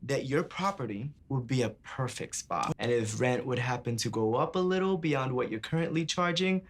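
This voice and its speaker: An actor playing a smooth, calculating gay activist executive in a film drama, polished and insinuating. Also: male voice, mid-range voice, normal speed, close to an everyday voice. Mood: smoothly persuasive.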